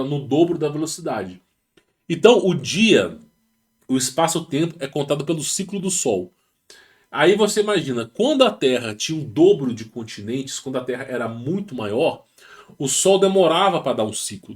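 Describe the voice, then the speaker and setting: Brazilian male host, higher-pitched, rambling casual commentary with slang and restarts. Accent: Brazilian Portuguese. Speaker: channel host. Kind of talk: casual talk reading and commenting on a text. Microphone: home setup with rural internet.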